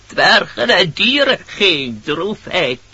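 A man playing an exuberant, poetic butterfly herald with a husky voice, declaiming lilting verse in a radio play. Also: high voice, sing-song, takes it slowly, bright, forceful tone, exaggerated voice. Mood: exuberant, consoling. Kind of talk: theatrical rhymed radio play. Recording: dull, muffled radio recording.

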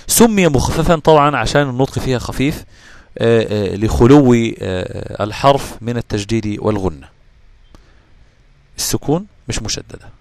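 Fast-talking Egyptian Arabic teacher. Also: male voice, mid-range voice, a little mellow, no echo. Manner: checks understanding with quick questions to listeners; answers his own questions. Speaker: Quran recitation teacher. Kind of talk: explaining tajweed rules to students.

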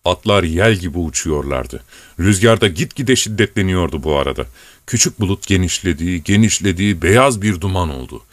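A man narrating an audiobook in a measured, storytelling manner. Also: low-pitched, dry recording. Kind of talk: scripted narration.

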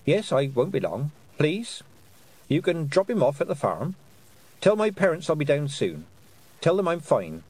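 A man voicing a young witch girl who speaks softly and carefully. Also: fairly high pitch, sing-song, normal speed, husky, pitched above the performer's own voice. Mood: thoughtful.

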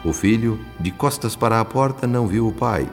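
A man with a Brazilian accent narrating a radio soap opera in a measured, solemn, dramatic way. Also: lowish voice, in a large hall, faint music behind. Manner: measured, solemn, literary phrasing.

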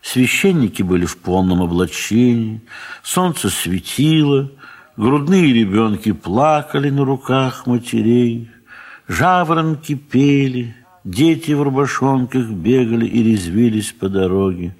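A man narrating a literary audio drama in measured, dramatic phrases with long pauses. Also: medium pitch, expressive, a little mellow.

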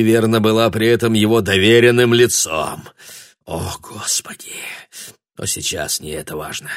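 A man voicing a young man in cold fury who speaks quietly with icy menace, reading an audiobook. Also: deep voice, no room sound, clean studio sound, lightly acted.

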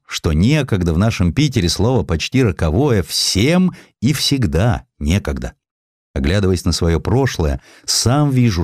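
A man voicing an ailing, reflective aging poet in an audiobook, slow and world-weary. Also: fairly low pitch, a little mellow, breathy edge, no echo, studio quality, exaggerated voice. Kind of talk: audiobook character voice.

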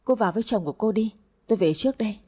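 Lady voicing a calm rich guy, measured, kinda husky voice, story reading. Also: mid-range voice. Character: wealthy calm man, the buyer. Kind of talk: storytelling narration.

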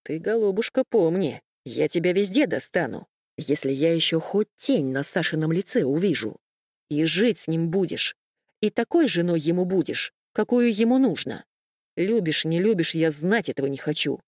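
A woman's voice: lowish voice, lively intonation, moderate pace, a little mellow, no room sound, studio quality. A woman voicing a stern, scornful young man who berates and threatens in a commanding tone. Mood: threatening. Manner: harsh, commanding, contemptuous.

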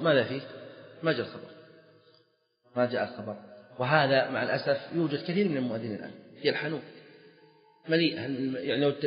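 Guy teaching a class, keeps asking the students questions, long echo, muffled old recording. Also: medium pitch. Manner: quizzes students, repeats key phrases, clears throat often. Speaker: sheikh teaching Islamic jurisprudence. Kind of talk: classroom lecture explaining a text. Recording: echoey hall, dull lo-fi sound.

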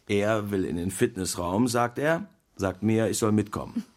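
An actor playing an orthodox Jewish husband from Jerusalem, telling an anecdote theatrically in a radio play. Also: male voice, fairly low pitch, moderate pace, a little mellow, close to an everyday voice. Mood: relishing, confiding.

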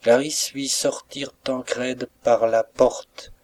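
Calm male audiobook narrator. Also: mid-range voice. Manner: calm, measured reading. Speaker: audiobook reader. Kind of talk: scripted narration.

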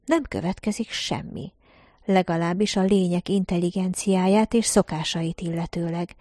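A woman narrates a science-fiction audiobook in a measured, calm way. Her voice is low and mellow, and the recording is close and dry with no room sound. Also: no room sound. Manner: measured, calm reading with quiet narrative asides. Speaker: audiobook reader. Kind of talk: scripted narration of a first-person science-fiction story.

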